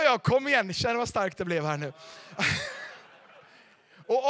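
A middle-aged man preaching a sermon as pastor, lively and dramatic, swinging between loud and soft. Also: extremely high pitch, no room sound, studio quality. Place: church.

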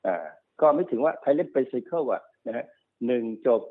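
A man working as a stock market analyst, explaining market cycles quickly and repeating himself, often checking that the listener follows. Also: medium pitch, animated, slightly rough. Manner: fast, repetitive explaining, often checks understanding. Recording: narrow phone-like sound.

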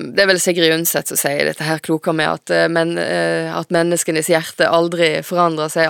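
A woman's voice: fairly low pitch, vocal fry, clean tone, no echo, clean studio sound. A woman author who reads from her novel and then answers questions hesitantly, with many fillers. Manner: hesitant, many fillers when talking freely.

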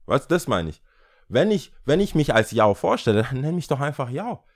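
A man from Ghana co-hosting a casual conversation, opinionated and animated as he acts out little scenes. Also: medium pitch, a little fast. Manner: opinionated, animated storytelling with acted-out quotes. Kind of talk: casual chat.

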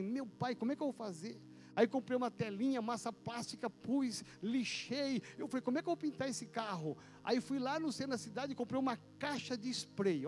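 A male pastor, telling a personal story in a sermon with vivid, animated delivery and sound effects. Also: very high voice.

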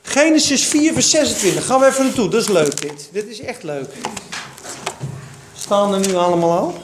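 A man preaching informally to a group, quoting scripture in a relaxed, conversational way with plenty of fillers and restarts. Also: high-pitched, normal speed. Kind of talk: informal Bible teaching to a group. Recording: echoey room with faint noise.

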